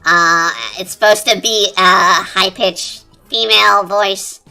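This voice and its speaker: Chipmunk voice-changer streamer, bright and squeaky. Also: fairly even intonation, slow pace, creaky. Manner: rambling, chatty, lots of fillers. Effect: high-pitched chipmunk voice changer. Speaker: art streamer. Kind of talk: casual chat while drawing. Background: quiet cafe-style background music.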